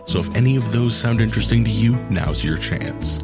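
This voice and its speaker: A man's voice: lowish voice, a little fast. A man reading a scripted podcast advertisement. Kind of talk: scripted ad read. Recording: very loud music under the voice. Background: music.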